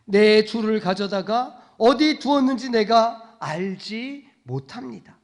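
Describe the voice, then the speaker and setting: A man's voice: sits high, expressive, takes it slowly, exaggerated voice. A man quoting a grieving woman, Mary, pleading tearfully during a sermon.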